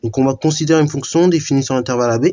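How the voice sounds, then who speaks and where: A man's voice: medium pitch, very fast, mellow. A man teaching a math lesson in an informal way, with many fillers and restarts while he explains a theorem.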